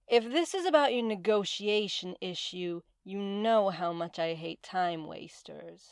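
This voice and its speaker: A woman playing a stern, imperious Titaness who speaks in a measured, formal, curt way in a fantasy audio drama. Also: mid-range voice, creaky, clean tone. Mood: cool, curt.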